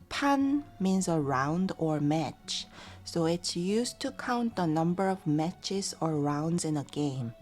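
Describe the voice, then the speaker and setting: Speaking in a slightly low voice, a language teacher whose first language is Korean breaks down phrases word by word. She stays calm and methodical throughout.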